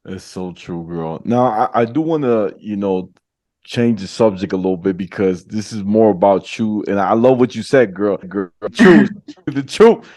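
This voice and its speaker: Low mellow male podcast host. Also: animated, unhurried, dry recording. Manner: friendly, hesitant restarts, laughs. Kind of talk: casual interview chat.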